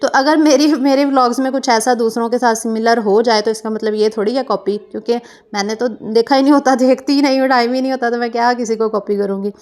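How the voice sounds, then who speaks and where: A woman's voice: a little high, steady tone, quick pace, hardly any pauses, darkish tone. A young woman from Pakistan, narrating her cooking vlog in a chatty, meandering way full of fillers and self-corrections. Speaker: cooking vlogger.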